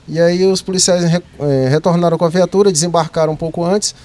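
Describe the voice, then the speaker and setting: A military police officer with a higher voice is interviewed at night in a sheltered entrance outside a police station, speaking into a handheld mic through a cloth mask. His tone is steady, a little mellow and slightly fast. He recounts an incident in formal police wording, often using tag questions.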